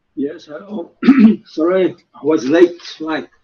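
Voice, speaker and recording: With ordinary pitch variation, this man talks in a French accent. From Quebec City. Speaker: viewer asking questions. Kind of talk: question to a teacher. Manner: halting.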